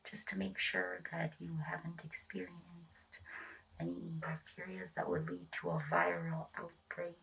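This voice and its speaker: Woman playing a slow, whispering ASMR doctor. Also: low voice, gravelly, distant mic, slight background noise, heavily acted, poor audio. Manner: hushed, hesitant, reassuring, unhurried. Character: gentle eccentric female doctor at a monster-mutation lab. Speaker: ASMR performer playing a medical examiner. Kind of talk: ASMR medical roleplay, soft whispering and murmuring.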